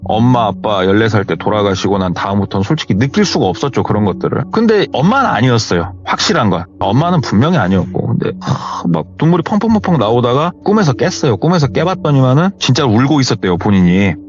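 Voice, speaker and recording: A man's voice: medium pitch, very animated, fast, hardly any pauses, lo-fi sound. A man telling a horror story in a chatty radio style, talking straight to the listener.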